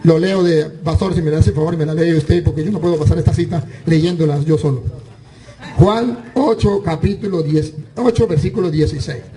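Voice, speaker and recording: A man's voice: a little high, normal speed, dark tone. A man, a Catholic priest, arguing insistently in a heated religious debate and reading scripture aloud.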